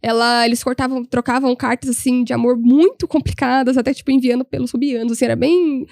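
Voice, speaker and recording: A young woman, a podcast guest telling history stories in an animated, humorous way. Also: sits high, quick pace, vocal fry, dry recording, clean studio sound. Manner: animated, humorous, voices quoted people. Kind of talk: casual storytelling chat.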